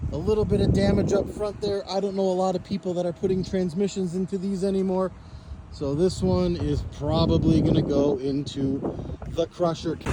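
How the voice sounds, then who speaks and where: Noticeable background noise accompanies talking that keeps a moderate pace. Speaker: junkyard worker showing cars. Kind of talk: casual walkaround video.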